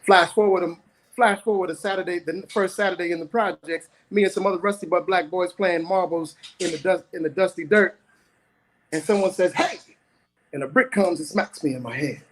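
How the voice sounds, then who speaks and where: A man's voice: high-pitched, a little fast, a little hiss or hum, poor audio. A middle-aged man performing spoken-word storytelling at an open mic, dramatic, with rhythmic repetition.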